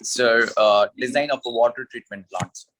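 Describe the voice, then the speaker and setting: A man's voice: medium pitch, normal speed, a bit bright, poor audio. A young man with a South Asian accent, a native Nepali speaker, answering as an interview candidate in a hesitant, deferential way. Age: young adult.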